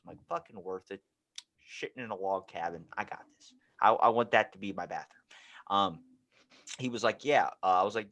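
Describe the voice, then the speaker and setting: A man's voice: lowish voice, fairly bright tone. A man hosting a casual comedy podcast, telling rambling, profane anecdotes in a loose, crude way. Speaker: podcast host.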